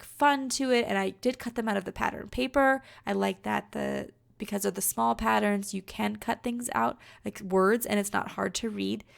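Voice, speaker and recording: Gravelly-voiced woman chatting about crafts. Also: medium pitch. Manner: chatty, rambling, many fillers. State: rough voice from being sick. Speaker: card-making vlogger. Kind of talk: casual crafting voice-over.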